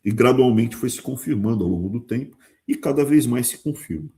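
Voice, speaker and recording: Lively sarcastic Brazilian man commentating. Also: mid-range voice, fairly quick. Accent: Brazilian Portuguese. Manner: sarcastic, lively, talks with colloquial asides. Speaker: channel host. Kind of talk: political commentary monologue. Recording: echoey room.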